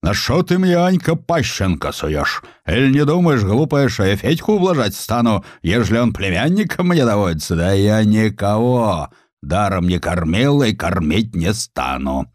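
A man voicing a ferocious, miserly provincial merchant with gruff, scolding, rustic speech in an audiobook story. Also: lowish voice, very animated, normal speed, no room sound, studio quality, voice pushed up. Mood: angry scolding.

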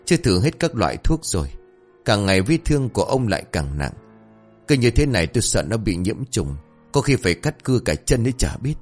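A man's voice: lowish voice, very animated, brisk, faint music behind. A man voicing a worried old village wife who insists firmly. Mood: insistent. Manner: firm, insistent.

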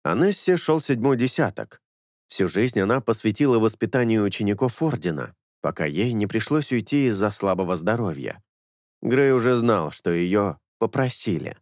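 A man narrating an audiobook in a measured storytelling manner. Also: lowish voice, animated, a little mellow, no echo, clean studio sound.

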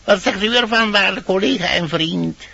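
A man's voice: high-pitched, moderate pace, gravelly, bright, forceful tone, muffled recording, exaggerated voice. A man playing a learned, solemn tomcat doctor in a fairy-tale radio play, speaking in pompous, formal declamation. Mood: grave, clinical.

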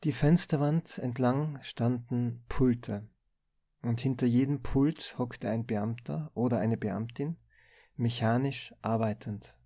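A man reading a story aloud as an audiobook, in measured, deliberate scripted narration. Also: mid-range voice, dark tone, no room sound, lo-fi sound. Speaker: audiobook reader.

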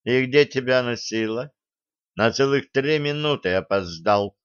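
A man's voice: mid-range voice, a little slow, smooth, no room sound, natural voice. A stern karate sensei gives short, commanding orders, voiced by a male reader. The sound is dry and a little muffled. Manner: curt, commanding.

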